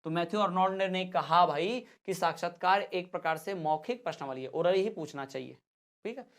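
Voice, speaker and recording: A man's voice: high-pitched, a little fast. A male teacher giving an exam-prep lecture. He asks each question, answers it, then repeats the answer plainly and steadily. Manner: plain, steady classroom explaining.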